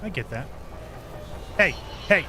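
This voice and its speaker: A man streaming a game live, chatting casually and reading viewer comments, with a voice he calls high-pitched for a man. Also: takes it slowly, slight background noise. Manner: chatty, lively, self-deprecating.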